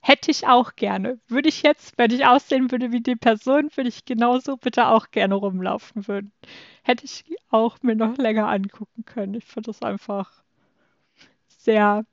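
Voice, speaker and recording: A woman's voice: on the high side, fairly even intonation, moderate pace, no echo. A woman co-hosting a casual podcast, reading survey answers and chatting enthusiastically. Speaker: podcast co-host. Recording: dull lo-fi microphone.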